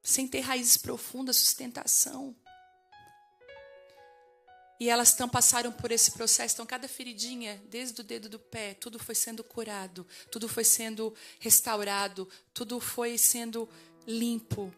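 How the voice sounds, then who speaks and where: A woman's voice: a little high, little pitch movement, moderate pace, a bit bright, faint music behind. A woman pastor preaching a passionate sermon, asking the congregation questions and rising into declarations.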